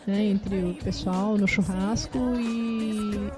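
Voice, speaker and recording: A woman reminiscing in a relaxed, casual chat. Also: mid-range voice, slow, music in the background.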